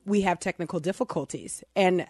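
A woman in her forties hosts a Christian talk show with an earnest, chatty flow, often restarting her sentences. Her voice sits on the lower side. The sound is dry and close, with no room around it. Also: fairly quick, dark tone, breathy edge, no echo. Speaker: podcast host.

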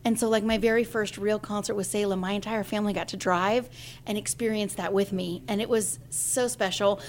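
A woman's voice: mid-range voice, fairly quick, a little hiss or hum. A woman in her forties, a singer, telling a personal story in an interview and acting out the voices of the people she quotes. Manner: lively storyteller who acts out quoted voices.

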